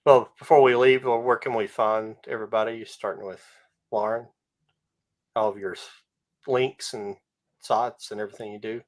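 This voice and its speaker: A man hosting a podcast, winding down the show with easygoing, halting talk. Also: fairly low pitch, fairly even intonation. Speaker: podcast host. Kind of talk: casual chat.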